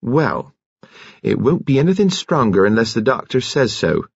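A man voicing a brisk, cheerful female district nurse with a hearty, bustling manner, as part of a story reading. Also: mid-range voice, big pitch swings, creaky, husky, dry recording, dull audio, pitched above the performer's own voice, exaggerated voice. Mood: brisk, cheery. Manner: hearty, bustling, chirpy turns of phrase.

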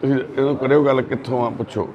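A man doing social service on a live video, gently soothing a frightened girl and repeating his reassurances. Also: mid-range voice, fairly even intonation, fast talker, dull audio. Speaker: social worker helping a lost girl.

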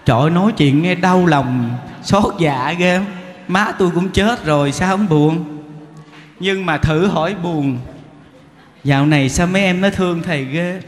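A man's voice: on the high side, normal speed. A man with a Southern Vietnamese accent, a monk giving a humorous sermon full of stories, teasing the audience and acting out characters. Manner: animated, teasing, acts out characters. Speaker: monk giving a dharma talk. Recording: echoey hall, faint background noise.

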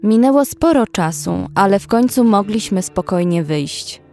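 A woman's voice: medium pitch, lively intonation, measured pace, dark tone. Female survivor narrating horror, acted, faint music. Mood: calm, observant. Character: young female survivor recounting a frozen zombie outbreak. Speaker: narrator and character in audio drama. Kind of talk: scripted first-person narration, horror audio drama.

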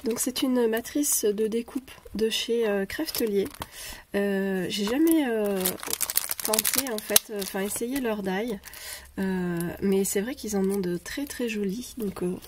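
A woman's voice: mid-range voice, a little mellow, slight background noise. A woman with a cold and a stuffy voice, chatting casually as she unboxes craft gifts on camera and hesitating often. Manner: hesitant, many pauses and "euh" fillers. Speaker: craft vlogger. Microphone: camera over a tabletop, speaker off-frame. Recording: paper crinkling and clicks behind.

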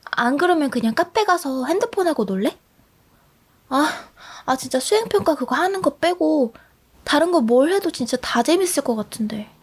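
A woman's voice: high voice, a little mellow, husky, full character voice. A young woman voicing a bold, chatty teenage schoolgirl at the bottom of her class, teasing and asking question after question in a whispered role-play. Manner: teasing, talkative, rapid questions.

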